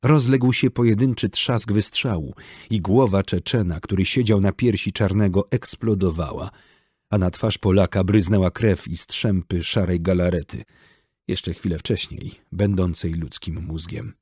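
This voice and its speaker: A man reading an audiobook in steady, measured scripted narration. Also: low-pitched, breathy edge, dry recording, clean studio sound.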